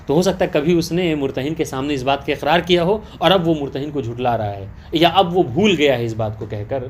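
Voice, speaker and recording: Higher-pitched man lecturing a class. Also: slight background noise. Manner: checks understanding with rhetorical questions to students. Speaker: teacher of Islamic law. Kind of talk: classroom lecture explaining a text. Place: teaching session with students present.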